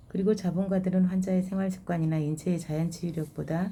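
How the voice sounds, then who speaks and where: The voice has a dark, mellow tone and is somewhat breathy. The pace is fairly quick. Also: woman. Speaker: book reader on own channel. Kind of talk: reading aloud; casual chat. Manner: occasional stumbles in pronunciation.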